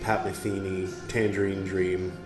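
Male reader-host, unhurried and musing, low voice, echoey room with faint music. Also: little pitch movement. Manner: unhurried, musing, talks back to the text. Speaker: podcast host reading aloud. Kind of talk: slow reading with casual asides. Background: soft instrumental music.

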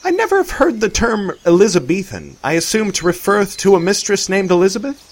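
A jovial man who speaks in mock-archaic English, as a narrator puts him on. He talks high and loud, with lively swings in pitch. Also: fairly quick, a little hiss or hum. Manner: mock-archaic speech, laughing.

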